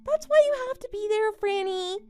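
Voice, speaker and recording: Casting: actress as smug bride-to-be for animated story drama, high and very animated, gloating and condescending. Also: female voice, moderate pace, faint music behind. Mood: boastful. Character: smug, boastful young bride who taunts her friend. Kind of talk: melodramatic animated-story voice acting.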